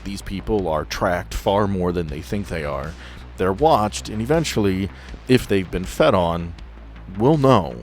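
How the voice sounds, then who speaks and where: A man's voice: sits low, expressive, unhurried, faint music behind. A man acting as game master, improvising narration for a tabletop roleplaying game.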